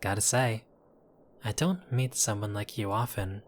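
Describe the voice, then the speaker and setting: A man's voice: lowish voice, a little hiss or hum, natural voice. A man playing an apologetic, charming mafia boss in an audio roleplay, courteous and wry with a flirtatious streak. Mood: flirtatious, admiring. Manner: unhurried, flirtatious, wry, addressing listener as doll. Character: apologetic, charming mobster, exasperated yet courteous. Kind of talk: intimate audio roleplay acting.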